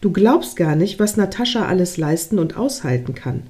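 A woman reading aloud, voicing a patient, proud old male creator god in a storybook tale in a calm tone. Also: fairly low pitch, normal speed.

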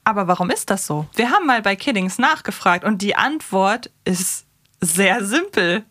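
A woman's voice: medium pitch, expressive, moderate pace, a bit bright, no echo, clean studio sound. A woman co-hosting a podcast, reviewing in a conversational, reflective and opinionated way. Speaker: podcast co-host. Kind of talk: conversational review of a children's audio drama.

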